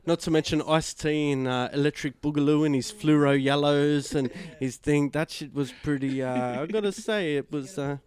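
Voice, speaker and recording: A man's voice: on the high side, normal speed, hardly any pauses, a little mellow. Young host, mid-range male voice, crude jokey banter. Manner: joking, crude, banters and teases. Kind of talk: casual podcast chat.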